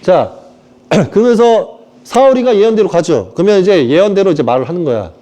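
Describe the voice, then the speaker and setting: A man's voice: high-pitched, very animated, a little fast, warm tone. A man lecturing on scripture who keeps asking his listeners whether they understand. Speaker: preacher. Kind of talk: scripture lecture with acted scenes.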